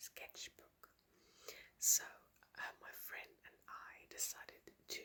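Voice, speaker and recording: The speaker whispers at a very slow pace. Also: woman. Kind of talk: ASMR show and tell. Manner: whispered, soft.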